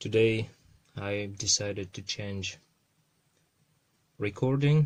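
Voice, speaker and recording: A man with a non-native accent and a fairly low pitch speaks at a very slow pace with ordinary pitch variation. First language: not English. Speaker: electronics repair youtuber. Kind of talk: tutorial. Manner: unscripted, speaking live in English.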